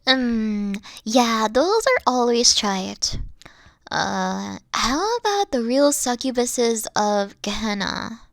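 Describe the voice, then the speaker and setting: High-pitched, dorky evil queen played by a woman. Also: big pitch swings, slow pace, gravelly, dry recording, studio quality, full character voice. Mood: playful, imperious. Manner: pompous, theatrical, easily flustered. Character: dorky, haughty, secretly soft evil queen. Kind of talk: playful roleplay audio acting.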